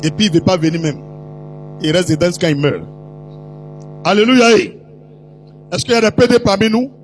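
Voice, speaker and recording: A male preacher telling a story in a sermon to his congregation, teasing the crowd and slipping into put-on voices and shouts. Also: high-pitched, steady tone, normal speed, slight background noise.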